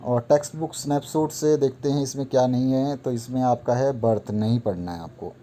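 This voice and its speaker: Man, teacher, mellow tone, repetitive, walking through a list. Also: medium pitch, a little fast, slight background noise. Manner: repetitive, instructive, walks through a list item by item. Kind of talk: explaining a syllabus to students.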